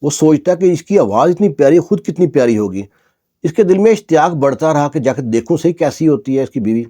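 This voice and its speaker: A man's voice: fairly high pitch, expressive, mellow. A man telling a dramatic story in a conversational narrating manner, often adding little emphatic asides.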